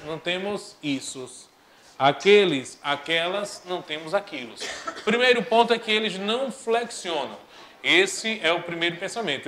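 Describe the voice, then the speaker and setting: A male Portuguese teacher giving a lively, joking grammar lesson that poses questions and then answers them. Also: sits high, slight background noise. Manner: animated, joking, asks himself questions.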